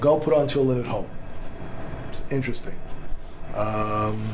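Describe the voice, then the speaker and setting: A middle-aged rabbi with a voice on the low side teaches a class on Jewish law at a moderate pace, with background noise. His lecture is discursive and packed with Hebrew legal terms, he often restarts sentences, and the audience asks questions.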